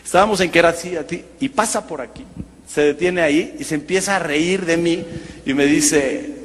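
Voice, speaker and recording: A man's voice: a little high, moderate pace. A Mexican man, a broadcaster, tells a joking, self-mocking personal testimony to an audience in a large hall. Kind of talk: humorous testimony storytelling to an audience.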